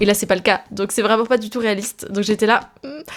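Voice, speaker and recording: An animated tone over noticeable background noise. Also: woman. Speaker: book vlogger. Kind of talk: casual vlog book review. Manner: animated, lots of fillers.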